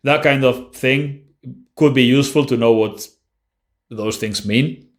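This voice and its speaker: A man's voice: mid-range voice, a little slow. A man hosting a casual language-learning Q&A, answering viewer questions bluntly and offhandedly with frequent restarts. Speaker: language-learning channel host.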